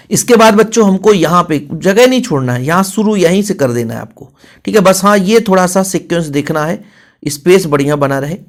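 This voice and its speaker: A man teaching a coaching class, explaining step by step, repeating phrases and checking in with students. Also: fairly high pitch. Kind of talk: classroom lesson explanation, Hindi mixed with English terms.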